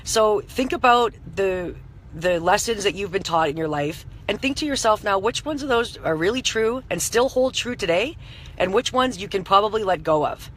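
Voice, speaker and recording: A woman in her late thirties talks through a live stream with a hoarse, scratchy voice. She is loose and conversational, filling her speech with "you know" and breaking off to greet viewers. A faint hum of noise sits behind her. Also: medium pitch, expressive, moderate pace. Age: 30s. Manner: chatty, full of "you know" fillers, greets viewers by name. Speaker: entrepreneur hosting a live stream. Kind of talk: motivational live-stream talk.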